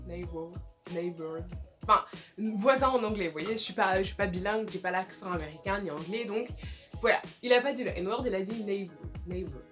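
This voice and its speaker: Emphatic young woman vlogger over faint music. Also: medium pitch. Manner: emphatic, repeats points, keeps apologizing. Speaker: video creator. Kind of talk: casual commentary vlog.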